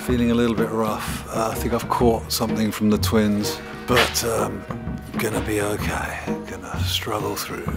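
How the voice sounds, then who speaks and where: Filming himself at arm's length on a handheld camera, a middle-aged man records a video diary inside a big barn he's turning into a recording studio. His voice is lowish and gravelly, flat and casual, moving at a moderate pace with hardly any pauses, and loud music plays behind him.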